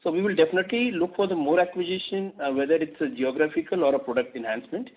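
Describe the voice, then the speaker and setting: A man with an Indian accent, a company executive answering questions on a conference call, in a halting way peppered with filler phrases. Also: a little high, husky. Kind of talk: answering analysts on an earnings call. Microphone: telephone conference call. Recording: tinny narrowband phone line.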